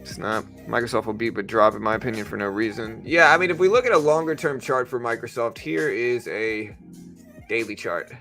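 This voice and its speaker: This livestream host is a stock trader who keeps things casual, talking to viewers and working through his thoughts out loud. He speaks briskly in a medium-pitched voice that is expressive, bright and forceful. Music runs underneath.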